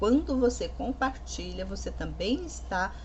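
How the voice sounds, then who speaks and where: A woman is speaking. Her pace is very slow. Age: 60s. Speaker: pastor. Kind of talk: Bible study livestream. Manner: conversational.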